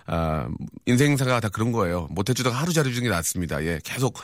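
A middle-aged man hosting a live radio show, reading listener texts with quick, teasing banter and lots of fillers. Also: on the low side, big pitch swings, dry recording, clean studio sound. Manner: fast, joking, teasing banter with frequent fillers. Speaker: radio host. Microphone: studio microphone.

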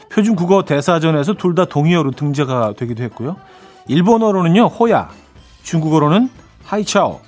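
A man with a slightly high voice hosts a radio music show from the studio. He chats in a friendly, easygoing way and reads out listener messages. Soft music plays quietly behind him.

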